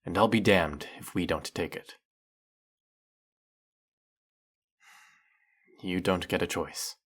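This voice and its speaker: A man playing a centuries-old vampire hunter in an audio roleplay, guilt-ridden and resolute, confiding with halting delivery and heavy pauses. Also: deep voice, fairly bright tone. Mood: grim, resolute. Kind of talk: dramatic audio roleplay monologue.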